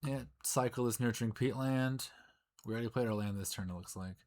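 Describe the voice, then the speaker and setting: A man's voice: mid-range voice, darkish tone, a little hiss or hum. A man commentating a card game in casual chat, joking with his co-host. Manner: chatty, joking, quick back-and-forth.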